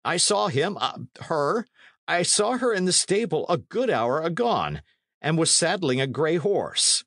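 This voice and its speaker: A man's voice: on the high side, sing-song, unhurried, fairly bright tone, no echo, clean studio sound, voice pushed up, heavily acted. A man reading a storybook as a flustered medieval innkeeper, protesting in archaic speech.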